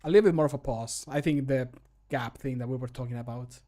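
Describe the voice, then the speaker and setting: A man's voice: medium pitch, quick pace, dark tone. A man in his thirties chatting casually and jokingly on a livestream, close to the microphone at home. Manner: jokey, self-mocking. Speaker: streamer and mod voice actor. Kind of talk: casual livestream chat while recording. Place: small home room, indoors.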